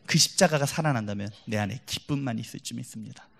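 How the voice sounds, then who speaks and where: A man preaching a sermon in church, telling stories with lively, acted-out voices and dropping from loud to hushed. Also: medium pitch, fast, gravelly. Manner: animated storytelling, acts out quoted voices, swings from loud to hushed.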